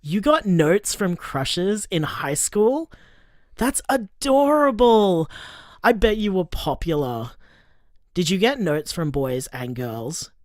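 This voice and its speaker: A playful young gay man , acted by a woman, chats in an audio drama. The voice sits low for a woman and swings animatedly, close and dry. The delivery is teasing, informal and openly smitten. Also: sing-song, slow pace, dry recording. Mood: teasing, curious.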